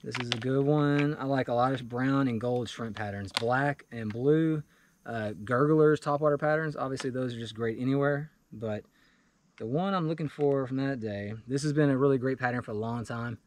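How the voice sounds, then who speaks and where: A man in his forties talking casually to camera in a wooded clearing, walking through his fishing gear with lots of fillers and restarts. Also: medium pitch, moderate pace, a little hiss or hum. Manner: relaxed and chatty, many fillers and restarts. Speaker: fly fishing vlogger. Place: outdoors in a wooded clearing beside a pickup truck.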